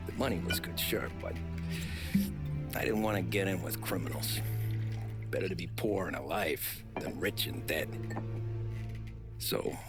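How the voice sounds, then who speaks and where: An actor playing a weary, plain-spoken young American cab driver in a cinematic video game. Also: male voice, sits low, unhurried, long pauses, loud music behind the voice. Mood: reflective. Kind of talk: scripted game dialogue and reflective narration.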